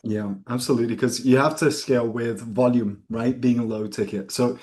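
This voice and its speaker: A man hosting a casual interview, relaxed and encouraging, sometimes stumbling over repeated words. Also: mid-range voice, moderate pace. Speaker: program owner, interviewer.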